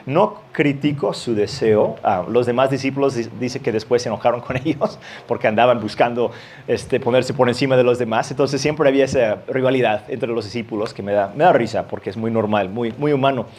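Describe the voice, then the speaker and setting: Un hombre que predica un sermón en tono conversacional, leyendo pasajes bíblicos y riendo un poco de vez en cuando. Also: male voice, medium pitch, a little fast, a little mellow, a little hiss or hum. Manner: conversational, reads scripture aloud with light laughs. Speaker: pastor. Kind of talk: sermon.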